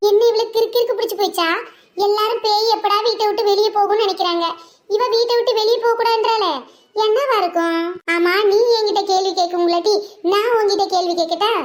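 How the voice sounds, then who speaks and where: This is a cartoonish character voice that sounds female. Its pitch is extremely high. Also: moderate pace. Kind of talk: comic cartoon dialogue. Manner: grumbling, complains aloud to herself.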